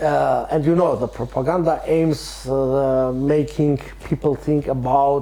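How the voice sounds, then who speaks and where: A man's voice at very even loudness over noticeable background noise. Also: fairly slow pace. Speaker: interviewer. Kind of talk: casual conversation. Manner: halting, many fillers.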